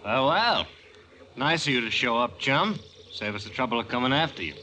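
Bright, sharp-voiced tough-guy jewel thief. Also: medium pitch, expressive, moderate pace. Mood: menacing. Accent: American. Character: tough male jewel thief, menacing, slangy, sarcastic. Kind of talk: 1940s radio crime drama acting. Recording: noisy vintage radio drama recording.

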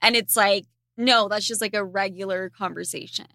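A woman's voice: medium pitch, steady tone, normal speed, pushed and bright, no echo, clean studio sound. A young woman hosting a casual podcast, reading out listener questions and answering bluntly, with crude jokes and frequent laughter. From Argentine family. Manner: blunt, crude, laughs often while talking. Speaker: podcast host.

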